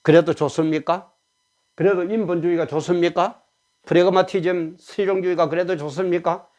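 A man's voice: high-pitched, steady tone, moderate pace, darkish tone. A male pastor, preaching an emphatic, exhorting sermon.

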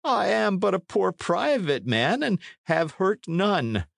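Man voicing a high-pitched, cringing old peasant. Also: big pitch swings, slow pace, vocal fry, fairly bright tone, no room sound, clean studio sound, exaggerated voice. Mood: pleading. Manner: servile, pleading, protesting. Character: cringing, sickly old peasant man pleading for his life.

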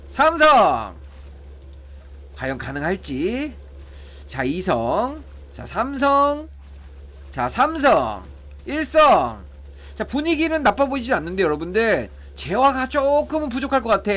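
A man's voice: high voice, big pitch swings, measured pace, a bit bright. A man giving casual play-by-play of his mobile game pulls, counting results and pleading for good draws. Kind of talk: casual gameplay commentary.

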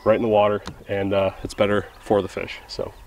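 A man in his thirties hosting a casual fishing vlog, talking excitedly to a camera held at arm's length outdoors on a small river boat. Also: fairly low pitch, a little fast, a little hiss or hum. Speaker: host of fishing channel. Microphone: handheld camera at arm's length.

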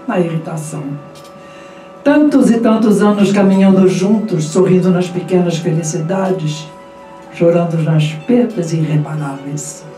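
An older woman speaks in a measured, reflective way, her voice mellow and warm. She holds a handheld mic in a small radio studio, and the sound is roomy, heard from a little way off with faint music behind. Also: on the low side, distant mic. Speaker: guest, former school director. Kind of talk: casual interview and poetry reading.

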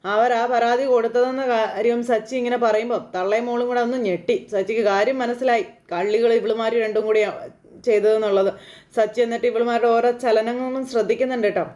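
Fairly high-pitched but dark in tone, this woman talks at a fairly quick clip with a steady delivery. As a serial episode recap narrator, she retells the plot conversationally, frequently addressing the listener with fillers.

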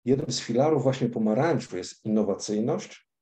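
A man on a video call, organizing the meetup and explaining ideas in a measured way. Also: medium pitch, expressive, dark tone.

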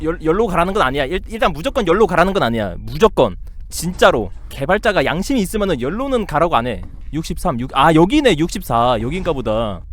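High, jumpy male game streamer. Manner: jumpy, yelps when startled, talks to himself and chat; taunts the game's ghosts jokingly. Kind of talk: live horror game stream commentary.

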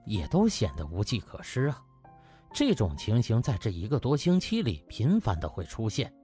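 A man's voice: medium pitch, dark tone. A man narrating a novel as a dramatised audiobook.

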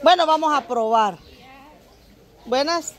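Chatty woman, rather high voice. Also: slow pace, background noise. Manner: chatty, talks straight to her viewers, jokes with vendors. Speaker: vlogger. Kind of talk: casual market-shopping vlog.

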